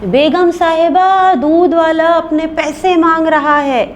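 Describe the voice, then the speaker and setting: A woman's voice: high voice, big pitch swings, slow pace, slight background noise, voice pushed up, heavily acted. A woman voicing a dutiful, deferential male house servant, reading a play aloud for a class.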